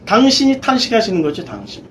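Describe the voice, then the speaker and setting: A male pastor leading a Bible study, firing rhetorical questions and sliding between casual and polite speech, swinging from loud emphasis to quiet asides. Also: high-pitched, wildly swooping pitch, fast, slight background noise, poor audio.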